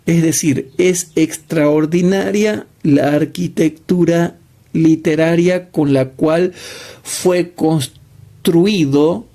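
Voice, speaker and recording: A man with a high-pitched voice leads a Bible study lecture at an unhurried pace. He drives his points home emphatically, repeating phrases and firing rhetorical questions at his listeners. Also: mellow. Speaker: Bible teacher.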